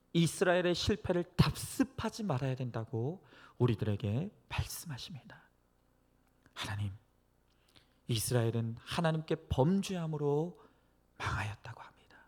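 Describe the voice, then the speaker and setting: A male pastor preaching and praying earnestly to a congregation, exhorting them with phrases that swell from hushed to emphatic. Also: on the high side. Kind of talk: sermon and prayer to a church congregation.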